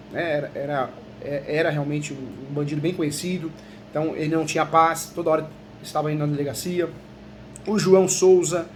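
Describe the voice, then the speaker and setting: Chatty Brazilian law professor, high voice. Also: male voice, slight background noise. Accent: Brazilian Portuguese. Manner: chatty, peppers talk with tag questions. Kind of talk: conversational video lesson.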